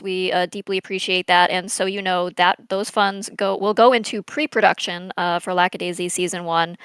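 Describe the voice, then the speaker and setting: A woman's voice: lowish voice, fairly bright tone, clear, resonant tone, dry recording. Dry-sounding woman hosting a livestream. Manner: chatty, hesitant with fillers and repeats. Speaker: comic artist and stream host. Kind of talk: casual livestream chat.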